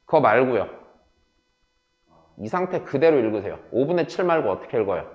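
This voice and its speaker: Lively male math teacher in an echoey room. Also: mid-range voice, a little fast, highs cut off. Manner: mixes casual and polite speech, checks understanding often. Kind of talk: classroom lecture.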